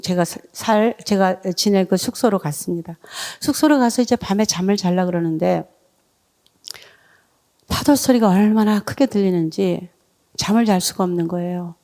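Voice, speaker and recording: A woman's voice: lowish voice, warm tone. A middle-aged woman, a deaconess, tells her story as a testimony at a church revival, reaching out to the congregation. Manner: emotional storytelling, leads congregation in reading.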